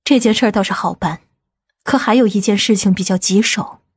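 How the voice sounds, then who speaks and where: A woman playing a composed, scheming aunt in an audiobook, measured and authoritative. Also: medium pitch, slightly rough. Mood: grave, secretive. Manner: measured, matter-of-fact, authoritative. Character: composed, commanding, scheming aunt of a powerful family.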